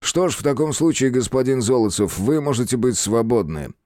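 A man voicing a stern, brisk male police official who speaks curtly and with authority. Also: medium pitch, expressive, a little mellow, dry recording, clean studio sound, pitched above the performer's own voice, natural voice. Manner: curt, authoritative.

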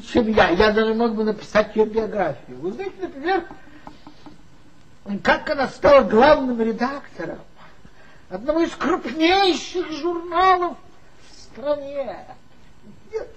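A man's voice: very high voice, lively intonation, unhurried, slight background noise, rough recording. An actor playing a tipsy former magazine worker who mockingly gossips about his old boss in a 1960s radio play. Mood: gossipy. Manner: gossipy, mocking, confiding storyteller.

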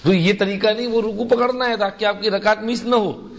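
A man's voice: high-pitched, fairly even intonation, gravelly. Man teaching a hadith lesson, reverberant hall. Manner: explanatory, slow and deliberate. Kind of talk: religious lesson.

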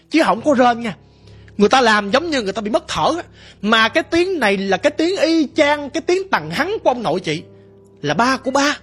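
A woman's voice: fairly high pitch, a bit bright, husky. A woman narrating a ghost story in first person, vivid and emphatic.

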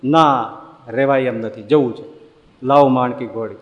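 A man voicing a calm, resolute spiritual master who gives firm commands. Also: medium pitch, unhurried, big-room sound, muffled recording, natural voice.

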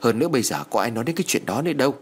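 A man's voice: mid-range voice, lively intonation, rapid-fire, slightly rough. A man voicing a serious middle-aged village husband who explains things earnestly to his wife, with music behind. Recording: background music.

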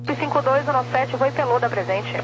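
A woman's voice: high-pitched, fairly quick, highs cut off. A Brazilian woman working as an air traffic controller, giving clipped procedural instructions over the radio.

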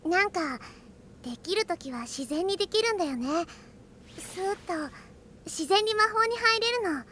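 Bright, very high-pitched young girl. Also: animated, normal speed, slight background noise, heavily acted. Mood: relaxed, musing. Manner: childlike, earnest, sweet. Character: cheerful, eager young girl learning to be a magician. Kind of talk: Japanese anime audio drama acting.

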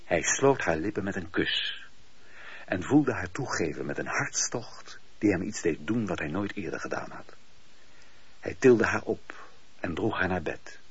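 A man's voice: low voice, expressive, a little slow, breathy edge, no room sound. A man narrating a radio drama in a dramatic, literary storytelling style. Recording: dry, dull lo-fi radio recording.

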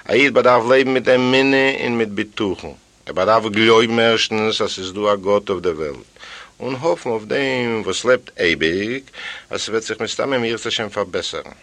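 A man's voice: fairly low pitch, moderate pace, no echo. A man reading a first-person tale aloud as an audiobook, telling it with sighs and exclamations. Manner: animated storytelling with sighs and exclamations. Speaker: audiobook reader.

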